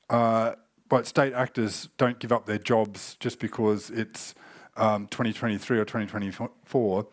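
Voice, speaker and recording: A man who is getting over a cold, giving a conference talk with many pauses and fillers. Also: mid-range voice, no room sound, studio quality. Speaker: cybersecurity speaker.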